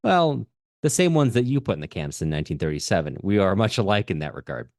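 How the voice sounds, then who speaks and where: A man with a low-pitched voice hosts a conversational literary discussion. He thinks aloud in a halting way, working through ideas as he goes. The sound is dry and close, with little room in it. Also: sing-song, a little mellow, no echo. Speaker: podcast host.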